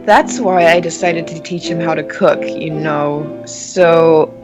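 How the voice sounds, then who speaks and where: A woman's voice: deep voice, steady tone, slow pace. A woman voicing a hot-tempered female fish warrior in a comic dub, blustering and challenging. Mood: exasperated. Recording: music behind the voice.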